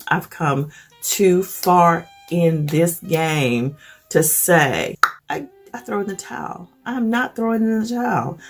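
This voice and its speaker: Very slow, lively speech from a woman with a fairly low pitch, music playing in the background. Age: 60s. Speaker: YouTuber, lifestyle vlogger. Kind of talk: casual vlog monologue to camera. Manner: animated.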